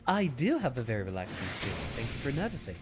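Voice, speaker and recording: A man's voice: mid-range voice, wildly swooping pitch, fast, faint music behind. A man streaming a video game with a stuffy, slightly nasal nose, musing aloud in an easygoing way and answering viewers' questions.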